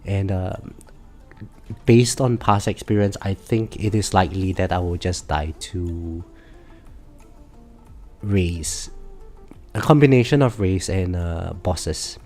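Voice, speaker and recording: A man's voice: low-pitched, slow pace, pauses often. A man with a cold and a stuffed-up nose, sounding nasal as he chats casually on a live game stream, hesitating and correcting himself often. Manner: relaxed, hesitant with many fillers and self-corrections. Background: faint background music.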